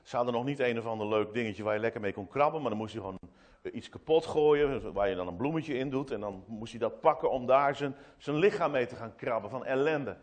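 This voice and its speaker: A man giving an animated children's sermon in church, retelling a story with many restarts and asides. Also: medium pitch, a little fast. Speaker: preacher speaking to children.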